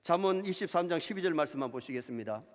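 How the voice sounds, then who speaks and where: A male pastor preaching a sermon, lively and emphatic, with quoted asides. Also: a little high, fast. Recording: church hall reverb.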